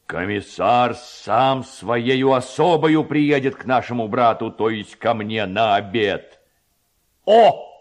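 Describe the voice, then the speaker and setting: A man voicing a self-important, boastful village headman in a storybook, with a gruff, commanding, pompous and drawn-out delivery. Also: mid-range voice, voice pushed up, lightly acted. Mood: self-important delight.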